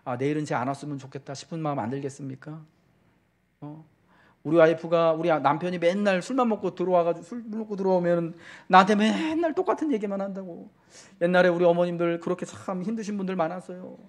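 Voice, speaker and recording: A male pastor delivering a Sunday sermon, talking straight to the congregation with repeated questions and swelling, slowed-down emphasis on key words. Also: high voice. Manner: fervent preaching that slows and swells for emphasis.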